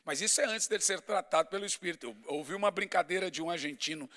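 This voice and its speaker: A middle-aged pastor delivers a sermon in an easy, conversational style, pressing his points through repetition. His voice sits high for a man and sounds bright and tense. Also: fast talker. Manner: conversational, emphatic preaching with lists and asides.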